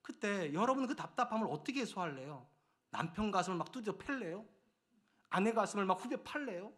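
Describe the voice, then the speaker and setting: Impassioned middle-aged pastor preaching. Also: male voice, high-pitched, lively intonation, a little fast. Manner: swings between loud urgent pleading and hushed near-whispers. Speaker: senior pastor. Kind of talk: Sunday sermon.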